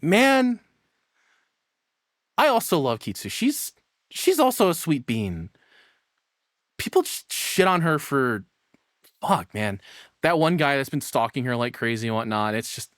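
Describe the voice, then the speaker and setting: Male streamer, mid-pitched and closely dry-sounding, rambling through casual, sweary, excitable live reactions. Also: no echo.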